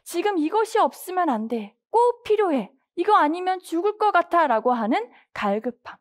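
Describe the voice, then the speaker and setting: A woman preaches to a youth group in a high, lively voice that climbs and falls a lot. She keeps asking the listeners questions and acts out pleading prayers, and the sound is close and dry. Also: moderate pace, no echo. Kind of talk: sermon to teens. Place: church.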